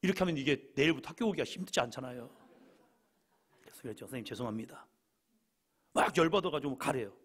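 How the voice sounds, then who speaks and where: A male pastor preaching a Friday evening sermon, telling stories and acting out quoted lines, sometimes shouting and sometimes dropping to a quiet aside. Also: medium pitch, lively intonation, fast, pauses often, husky.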